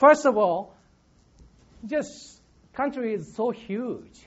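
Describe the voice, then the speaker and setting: Speaking with a Japanese accent, a man uses lively intonation. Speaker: psychology professor. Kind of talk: lecture. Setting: stage with audience.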